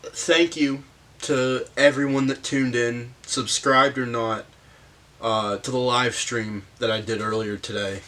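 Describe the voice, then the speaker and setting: A man hosts a casual breakdown of a hockey game, his voice hoarse and worn from illness. He talks slowly and haltingly, filling gaps with pauses and fillers as he walks through the game. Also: mid-range voice, fairly even intonation, pushed and bright. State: sick, hoarse voice. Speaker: hockey commentary host. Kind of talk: casual sports breakdown monologue.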